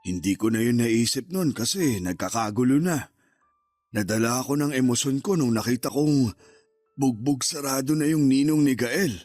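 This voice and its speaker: A man's voice: mid-range voice, normal speed, natural voice. A man playing a humble, remorseful ex-convict father. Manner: soft-spoken, apologetic and humble. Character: remorseful middle-aged father, newly freed from prison. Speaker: father character. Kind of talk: Tagalog radio drama acting.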